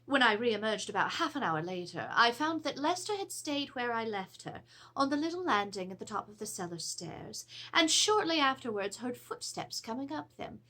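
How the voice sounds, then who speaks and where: A woman's voice: a little high, moderate pace, heavily acted. A middle-aged woman playing an Edwardian English lady, formally and theatrically reading out her letter about a haunted household. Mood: grave, uneasy. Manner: formal, theatrical, expressive storytelling. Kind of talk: dramatic reading of a period letter. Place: small room with draped cloth backdrop.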